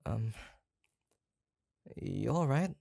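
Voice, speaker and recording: An obsessive yandere kidnapper from a roleplay audio drama, acted by a voice performer, speaking slowly in a creaky, fry-laden voice. The delivery is doting and possessive, yet awkward and hesitant, rambling along in a close, dry recording. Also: mid-range voice, sing-song, no room sound, heavily acted. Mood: concerned, gentle. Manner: hesitant, rambling, soft-spoken menace with nervous chuckles.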